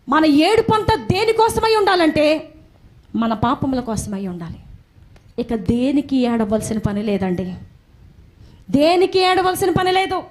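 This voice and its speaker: A woman's voice: high-pitched, a little mellow. A woman preaching a sermon emphatically, repeating phrases for stress.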